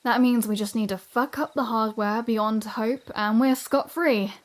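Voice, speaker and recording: A woman's voice: a little high, fairly even intonation, measured pace, natural voice. A woman playing a flirty, sardonic vampire in a scripted ASMR roleplay audio drama, with breezy, sarcastic banter. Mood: wry, breezy.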